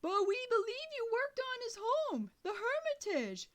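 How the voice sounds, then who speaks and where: A woman voicing an earnest teenage boy genius, speaking high and insistent. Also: sing-song, a little fast, a little mellow. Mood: shouting.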